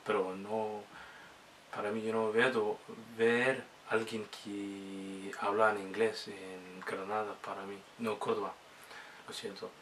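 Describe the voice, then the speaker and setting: A man's voice: on the low side, flat delivery, fairly bright tone, a little hiss or hum. A man speaking as a hesitant language learner in a casual vlog, often restarting his words. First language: Somali. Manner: halting learner's speech with many restarts. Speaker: vlogger.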